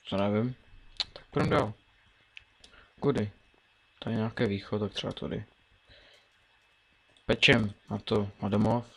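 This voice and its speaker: A man's voice: lowish voice, steady tone, gravelly, long pauses, fairly bright tone. A young man in his late teens casually commentating his own gameplay, mumbling and thinking aloud as he plays, with keyboard and mouse clicks behind him. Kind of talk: casual Let's Play commentary.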